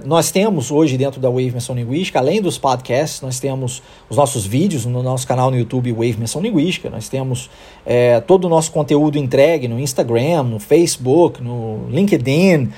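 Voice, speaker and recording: Husky Brazilian male English teacher, patient explainer for a podcast lesson. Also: a little high, a little mellow. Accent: Brazilian Portuguese. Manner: explanatory, checks in with "tá?" and "ok?".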